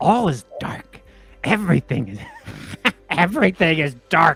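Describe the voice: A gruff, put-on character voice sits at a middle pitch and moves at a fairly slow pace. Faint music plays in the background.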